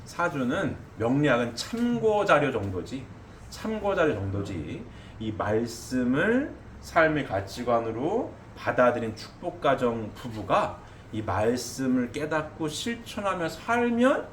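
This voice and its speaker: A man's voice: medium pitch, sing-song, a little slow, a little hiss or hum. A middle-aged man preaching a sermon emphatically, often asking his congregation questions and tagging "eh?". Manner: emphatic, asks the congregation questions, frequent "eh?" tags. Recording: echoey hall with faint ambience.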